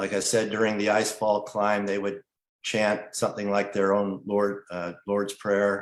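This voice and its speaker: This is a man speaking. His pitch sits fairly low. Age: 60s. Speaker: mountain climber. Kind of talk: interview testimony. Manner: halting.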